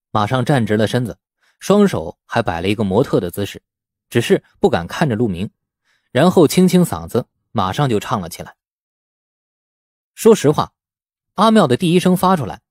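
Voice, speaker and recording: A man reading a novel aloud as scripted, expressive storytelling narration. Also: medium pitch, no room sound, clean studio sound. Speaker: audiobook narrator.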